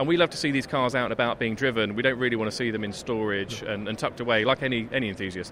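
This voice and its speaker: The delivery comes at a very fast pace with ordinary pitch variation. Noticeable background noise is present. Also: man, medium pitch for a man. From Essex, England. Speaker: finance company marketing head. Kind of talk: interview. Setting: exhibition stand at car show.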